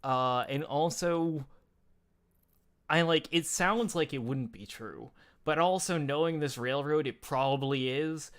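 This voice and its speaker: A man's voice: a little high, unhurried, a bit bright, smooth. A man co-hosting a casual online show, talking in a rambling way with many fillers and restarts. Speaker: podcast co-host. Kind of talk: casual chat.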